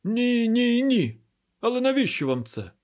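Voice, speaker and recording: A man voicing a frantic wealthy baron who has just been robbed, in a high, wailing, desperate voice. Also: big pitch swings, a little slow, a little mellow, exaggerated voice. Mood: pleading. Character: frantic wealthy old male baron collector.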